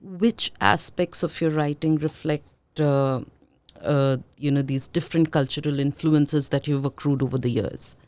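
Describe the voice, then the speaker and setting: A woman's voice: sits low, fairly even intonation, unhurried, a little mellow, dry recording. A woman hosting a podcast, asking short questions and following up attentively. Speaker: podcast host interviewer. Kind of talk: podcast interview.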